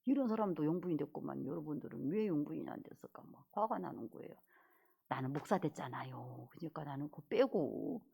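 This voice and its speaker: Woman pastor, lively swooping voice, scolding, loud then whispering. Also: deep voice, brisk, gravelly, husky. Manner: animated and scolding, swinging between loud exclamations and whispered asides. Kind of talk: sermon.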